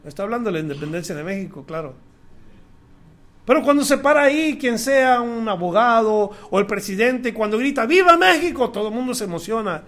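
A man preaching a sermon as pastor, calling out to the congregation and swinging from soft asides to loud, drawn-out declarations. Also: sits high, expressive. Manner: draws out key words, swings from soft to loud.

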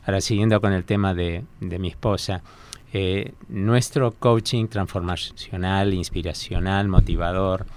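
A man explaining his coaching work as a radio guest in a studio, measured and explanatory. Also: low-pitched, fairly even intonation, a little hiss or hum. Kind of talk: radio interview.

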